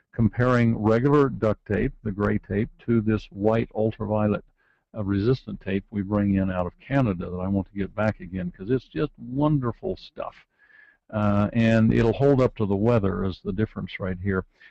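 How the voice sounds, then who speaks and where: A man speaks with a fairly low pitch and ordinary variation in his pitch. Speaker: survival skills presenter. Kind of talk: instructional talk with slides. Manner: fast.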